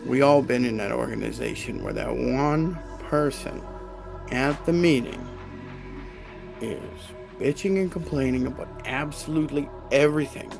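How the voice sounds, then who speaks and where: Gravelly-voiced man hosting an HR livestream. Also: mid-range voice, moderate pace, music in the background. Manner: conversational, self-correcting, asks "right?" often. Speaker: HR consultant hosting a live stream. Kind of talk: casual livestream talk.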